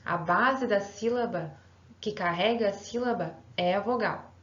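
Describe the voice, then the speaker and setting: A woman's voice: medium pitch, unhurried, a bit bright. Woman teacher, patient step-by-step explaining, slightly muffled recording. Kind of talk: recorded online grammar lesson. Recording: roomy, slightly dull home recording.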